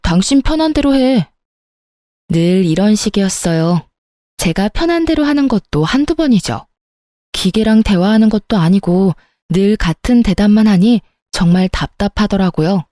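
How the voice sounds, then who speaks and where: Woman narrator, mellow dark tone, dry close voice, exasperated and confiding. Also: medium pitch, lively intonation, moderate pace, no room sound. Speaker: storytelling narrator. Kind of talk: first-person story narration.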